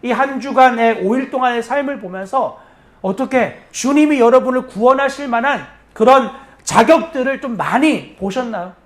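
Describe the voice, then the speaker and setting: A man's voice: very high-pitched, normal speed. A man in his thirties preaching a sermon in a church, telling a family story with quoted lines and asking the congregation direct questions. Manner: lively storytelling, acting out children's and his own quoted lines. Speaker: pastor.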